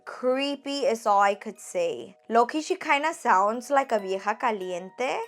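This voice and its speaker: A woman's voice: mid-range voice, fairly bright tone. A woman casually narrating and reacting as a vlogger, slangy and sweary, slipping between English and Spanish. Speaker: vlogger narrating and reacting to creepy phone call recordings.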